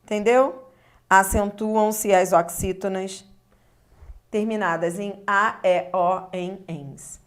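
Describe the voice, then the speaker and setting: A woman's voice: medium pitch, steady tone, takes it slowly. A woman teaching a video grammar lesson, explaining step by step and checking that the listener follows. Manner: explanatory, checks understanding with tag questions.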